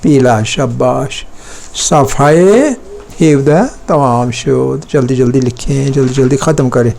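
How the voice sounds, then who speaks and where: A man's voice: mid-range voice, slow, gravelly, a little mellow. A male teacher giving a classroom language lesson, patiently explaining and repeating each word many times, checking in with pupils through short questions. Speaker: Persian teacher. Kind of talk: classroom lesson, dictating and drilling words.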